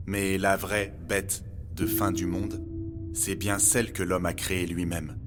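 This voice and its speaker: A knowledgeable guide who lays out old myths of humankind. He speaks in a measured, didactic way, as in a documentary audio drama, with music playing clearly behind him. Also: low-pitched, little pitch movement.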